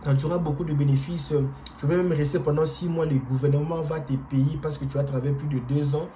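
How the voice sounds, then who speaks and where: Non-native french speaker guy vlogging, super mellow dark voice, lots of uh and repeats. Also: a little high, steady tone, a little hiss or hum. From DR Congo. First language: not French. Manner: hesitant, halting, frequent fillers and repeated words. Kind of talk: casual explanatory monologue.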